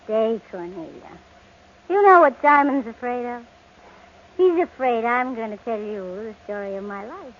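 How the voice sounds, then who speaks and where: An actress playing a high-strung, drunken jilted young woman in an old-time radio drama, taunting and melodramatic. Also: lively intonation, moderate pace, natural voice. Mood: bitter, taunting. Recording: tinny, noisy old radio recording.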